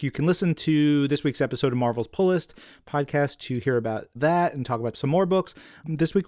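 A man's voice: mid-range voice, darkish tone, dry recording, studio quality. A man co-hosting an entertainment podcast, chatting in an upbeat, playful way with emphatic hype. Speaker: podcast co-host. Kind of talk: upbeat co-hosted podcast chat about comics and entertainment.

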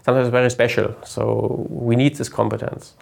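A man's voice: mid-range voice, flat delivery, normal speed, creaky. A man with a German accent explaining his team's work as an interview guest. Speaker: engineering team lead, interview guest.

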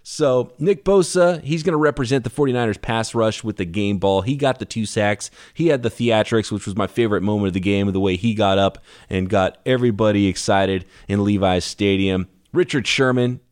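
A man hosting a solo sports podcast, talking through the game in an energetic, conversational way while his voice is worn from a cough. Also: lowish voice, normal speed, few pauses, smooth, dry recording, studio quality. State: losing his voice from a lingering cough. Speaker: podcast host.

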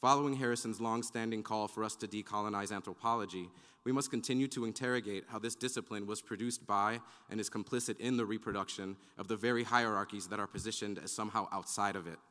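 Male panelist, lowish voice, measured formal reading, long hall reverb. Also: fairly even intonation, a bit bright. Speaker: conference panelist. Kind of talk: reading prepared academic remarks.

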